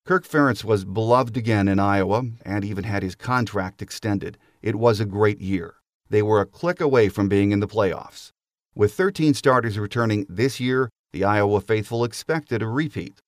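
A man hosting a podcast, reading a prepared monologue in a steady, scripted delivery. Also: fairly low pitch, moderate pace, no echo, studio quality. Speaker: podcast host.

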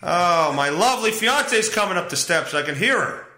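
A man with a fairly high, bright voice that swings widely in pitch as he rants through the news. He is sarcastic and foul-mouthed, and his talk rambles. The sound is echoey, as if recorded in a bare room at home. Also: expressive, normal speed, a little hiss or hum. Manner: sarcastic, profane, rambling commentary. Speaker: podcast host. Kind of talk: casual solo podcast monologue reacting to news.

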